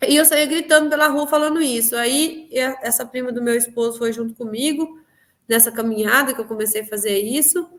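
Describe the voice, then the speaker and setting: A woman's voice: fairly high pitch, a little fast, fairly bright tone. A woman with a Brazilian accent telling of her spiritual experiences in an interview, earnest and emphatic, often repeating her phrases. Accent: Brazilian Portuguese. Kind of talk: personal testimony in an interview.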